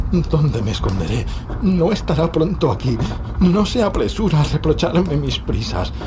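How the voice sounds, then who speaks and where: Horror radio play: raving, terrified man, slow anguished delivery, gravelly fry. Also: mid-range voice, noisy background. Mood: fearful brooding. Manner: theatrical, anguished, halting delivery. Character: terrified, raving man at madness's edge, hearing horrors approach. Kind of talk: audio horror drama acting.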